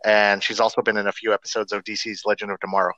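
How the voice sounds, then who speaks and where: A man with a lowish voice co-hosts a casual chat, chiming in with short bits of information. His sound is dull and lo-fi, but dry and close. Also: level tone, quick pace, bright, forceful tone, no echo. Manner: brief, fact-sharing interjections. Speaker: podcast co-host.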